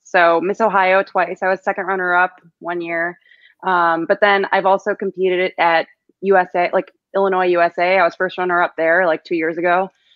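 A woman's monotone, flat voice with an American accent, dry with no echo, over a quiet background. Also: moderate pace. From Chicago, US. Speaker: opera singer and former beauty queen; guest. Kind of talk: casual chat. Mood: friendly, smiling. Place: home room.

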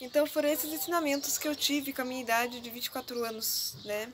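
Through noticeable background noise, a woman talks at a moderate pace, her intonation fairly even. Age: 20s. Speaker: vlogger. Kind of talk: personal vlog monologue. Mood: reflective, personal. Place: home room. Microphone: phone near.

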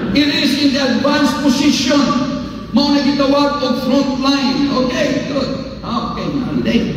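A man speaks fairly slowly in an extremely high, flat monotone, with strong room echo and light background noise. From Philippines. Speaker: preacher. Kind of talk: sermon. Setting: church. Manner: call-and-response. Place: hall. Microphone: pa.

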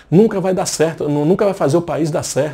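A man with an animated tone and ordinary pitch variation. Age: 50s. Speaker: exam prep teacher, YouTuber; exam prep teacher. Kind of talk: monologue video update. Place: classroom.

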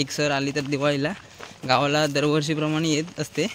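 Light background noise behind a man's dry, echo-free voice. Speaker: vlogger. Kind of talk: casual vlog chat. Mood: cheerful, relaxed. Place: forest. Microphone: phone near.

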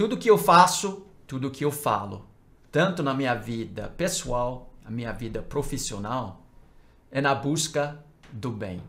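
A man with an American accent at a fairly slow pace, with very wide pitch swings. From US South, rural Tennessee. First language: English (speaking Portuguese). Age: 50s. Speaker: stock market educator. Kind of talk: video monologue to camera. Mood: earnest, apologetic.

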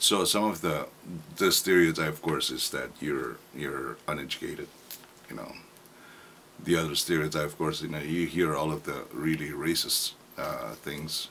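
Light background noise is audible. A man speaks at a moderate pace. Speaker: interviewee. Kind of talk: interview answer. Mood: calm, reflective. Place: home room.

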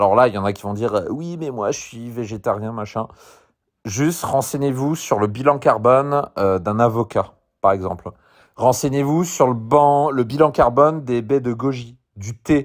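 On a very clean recording with a silent background, a man at a medium pitch talks at a fairly slow pace with ordinary pitch variation and big swings in loudness. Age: 30s. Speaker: dating coach and video blogger. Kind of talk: opinion monologue. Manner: hesitant, many fillers and repetitions.

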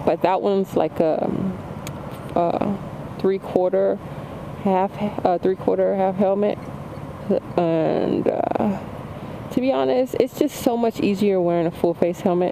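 Noticeable background noise runs under speech that moves at a fairly slow pace with long, frequent pauses. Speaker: motovlogger. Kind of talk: casual vlog chat. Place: motorbike.

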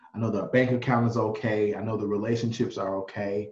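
An American accent over a quiet background, with audible room echo. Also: man. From Chicago. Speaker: life coach and minister; life coach, minister. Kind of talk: casual interview. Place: home room. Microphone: webcam.

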